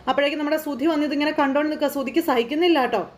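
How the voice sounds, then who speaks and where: A woman's voice: high voice, rapid-fire, a little hiss or hum. A woman casually retelling a TV serial episode, chatty, with frequent tag words and repetition. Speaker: TV serial recap narrator. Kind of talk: casual storytelling recap.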